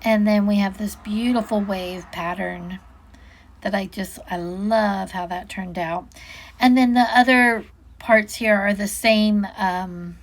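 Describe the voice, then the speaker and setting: Woman doing a casual crafty walk-through, slow relaxed pace, mid pitch, kinda thinking out loud. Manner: chatty, musing aloud, self-interrupting. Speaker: digital sticker designer giving a product walk-through.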